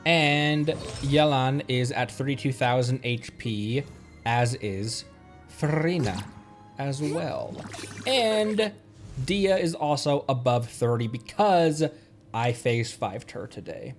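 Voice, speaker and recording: Male game streamer, mid-pitched, casual rambling commentary, thinks out loud, background music. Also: lively intonation, takes it slowly. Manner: thinking aloud, often questioning himself. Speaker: game livestreamer. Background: video game music.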